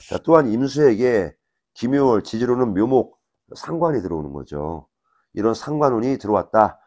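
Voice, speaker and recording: A man teaching fortune-telling, explaining step by step in a measured lecture and asking rhetorical questions as he writes on a board. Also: lowish voice, a little mellow.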